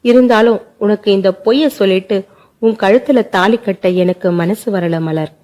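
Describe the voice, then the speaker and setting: A woman's voice: medium pitch, normal speed, mellow, close to an everyday voice. A woman voicing a remorseful young lover. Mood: pleading. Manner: pleading, sobbing delivery. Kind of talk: storytelling narration.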